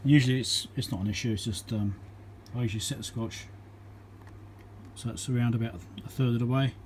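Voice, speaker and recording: An electronics repair presenter talking casually as he works at his home workbench, thinking aloud with frequent ums and pauses. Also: mid-range voice, fairly even intonation, a little mellow, slight background noise. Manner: thinks aloud with many ums, counts into the mic.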